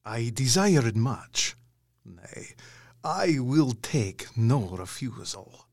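An actor playing a courtly, menacing vampire count in an audio drama, formal and imperious. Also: male voice, mid-range voice, big pitch swings, takes it slowly, vocal fry, a little mellow, full character voice. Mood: politely insistent. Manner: formal, imperious, over-polite.

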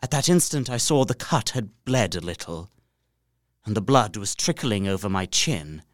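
A man's voice: on the low side, lively intonation, moderate pace, no echo, studio quality, lightly acted. An actor playing a polite, observant and uneasy young solicitor, narrating his journal earnestly and precisely in a gothic audio drama. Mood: alarmed. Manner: precise, earnest, theatrical storytelling.

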